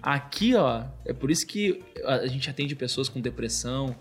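A man's voice: medium pitch, lively intonation, slightly rough, soft background music. A young man with a Brazilian accent, telling a personal faith story in casual chat and peppering his talk with "cara". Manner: fast, fills speech with "cara". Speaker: guest. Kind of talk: casual testimony.

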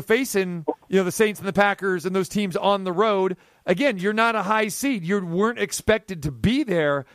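A high-voiced man hosting a casual sports radio show. He wanders through his questions with lots of fillers and restarts. His sound is close and dry. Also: dry recording.

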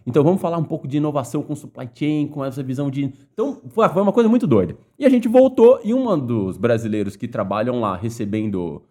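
A man's voice: medium pitch, fast talker, hardly any pauses, warm tone. A man telling a funny story in a casual chat, breaking into laughter as he goes. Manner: breaks into long laughing fits while telling stories.

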